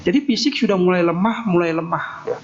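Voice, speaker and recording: A Buddhist monk gives a folksy, joking Dharma talk in a temple hall, ending nearly every phrase with a questioning "ya". His voice is high, animated, brisk and gravelly. The recording sounds dull and lo-fi with faint noise.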